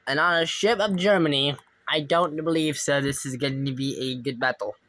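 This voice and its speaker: A man's voice: on the high side, moderate pace, a bit bright, dry recording, rough recording. A young man casually commentating his own gameplay as a streamer, rambling and thinking aloud, often trailing off mid-sentence. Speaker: gaming streamer.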